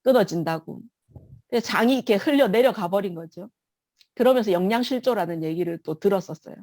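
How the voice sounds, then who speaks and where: A woman's voice: mid-range voice, expressive, brisk, a little mellow, dry recording. A woman giving an emotional personal testimony in church, telling her story vividly.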